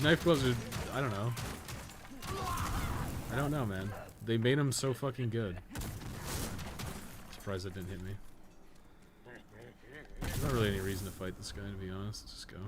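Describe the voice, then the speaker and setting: A man with a slightly low voice gives casual commentary while he plays a game. He rambles and thinks out loud, using slang and swearing freely. There is noticeable background noise under his voice. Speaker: game livestreamer. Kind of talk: casual gameplay commentary, chatting while playing.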